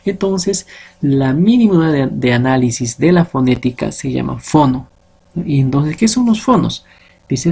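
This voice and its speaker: Gravelly, husky male teacher explaining. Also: medium pitch, a little mellow. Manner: explanatory, addresses students directly, many tag questions. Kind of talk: recorded phonetics lesson.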